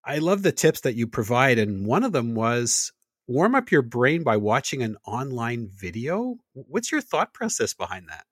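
A man co-hosting a podcast interview, friendly and quick to laugh. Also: medium pitch, big pitch swings, slightly rough, no room sound, studio quality. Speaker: podcast co-host.

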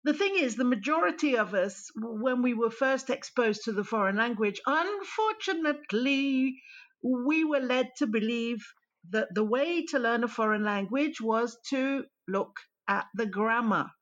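A woman's voice: on the high side, expressive, measured pace. A woman language teacher answering interview questions in a thoughtful, explanatory way. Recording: muffled lo-fi line.

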